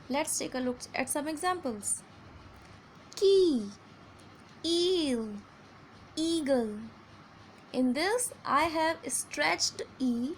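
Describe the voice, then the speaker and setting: A woman with a high, light voice and an Indian English accent teaches vowel sounds to children. She slows down to stretch each example word and slips between English and Hindi. A faint hum of ambience sits under her voice. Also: a bit bright. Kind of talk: phonics lesson for children.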